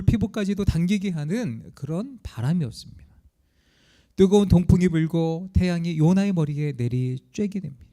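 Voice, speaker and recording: A man's voice: a little high, mellow. A male pastor preaching a sermon, telling the story dramatically and acting out the quoted lines.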